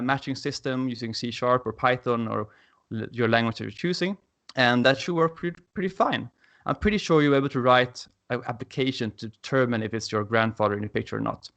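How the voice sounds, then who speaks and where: A man's voice: mid-range voice, fairly bright tone. A man from Sweden with a Swedish accent, giving an enthusiastic technical presentation over a video call with frequent "uh" fillers. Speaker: conference speaker.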